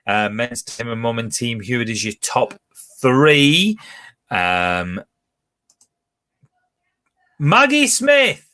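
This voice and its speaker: A man's voice: mid-range voice, sing-song, drawn-out words, pauses often, pushed and bright. A man hosting a pub quiz from home, chatting casually as he reads out questions, answer options and team scores. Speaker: quiz host.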